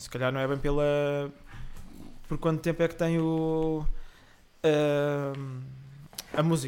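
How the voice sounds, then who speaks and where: A man's fairly high voice at a very slow pace, with big swings in loudness and long, frequent pauses. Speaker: podcast host. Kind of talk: casual monologue. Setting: home. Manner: animated, hesitant fillers.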